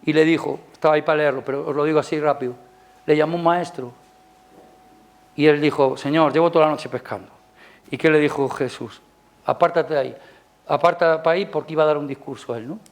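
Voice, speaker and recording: A man with a Spanish accent preaching a Sunday sermon in church, chatting with the congregation through rhetorical questions, his voice climbing loud on key points and dropping soft. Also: steady tone, fast. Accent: Spanish from Spain. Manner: rises loud and high on emphasis, drops soft. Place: church service.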